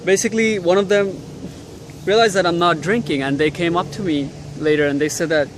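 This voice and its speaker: A young Bangladeshi man vlogs outside in cold city air, handing out casual motivational advice bluntly and swearing freely. His voice is high and steady, his pace fairly quick, and there's slight background noise.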